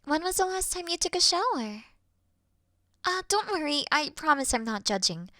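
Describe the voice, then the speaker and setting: A woman playing a caring, worried best friend in an intimate roleplay audio call, speaking softly and soothingly with breathy murmurs. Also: high voice, very animated, normal speed, no echo, clean studio sound, exaggerated voice. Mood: patient, encouraging. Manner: soft, soothing, reassuring, sighing, dropping into breathy murmurs. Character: caring, gentle young female best friend, patient and worried.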